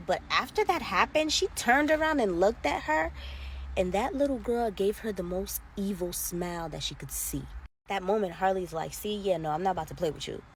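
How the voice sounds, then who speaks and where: A woman spins scary stories in a loose, gossipy story-time style and talks to her viewers as if they were close friends. Her voice sits in a middle register. A faint hiss runs underneath. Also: mid-range voice. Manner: chatty, talks straight to viewers as "bestie". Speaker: social media storyteller.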